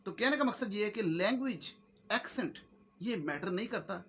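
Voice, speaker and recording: A man with a very high, bright, forceful voice and a Punjabi accent talks casually to his viewers. He rambles in a joking way, slipping between Urdu, Punjabi and English. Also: expressive, normal speed, slight background noise. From Pakistan. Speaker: YouTuber host. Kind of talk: casual comic-motivational monologue.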